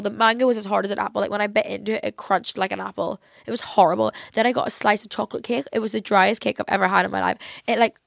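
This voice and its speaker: Young northern irish girl doing a chatty podcast monologue, slangy n rambly, croaky fry, dry room. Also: medium pitch, no echo. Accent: Northern Irish, softened. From Northern Ireland. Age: young adult. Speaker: podcast host.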